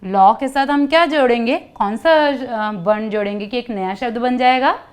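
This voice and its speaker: A woman teaching children letter sounds, asking questions and drawing out each sound for them to repeat. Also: fairly high pitch. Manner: calls out sounds for children to repeat, stretched slowly; asks many questions. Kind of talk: children's Hindi lesson.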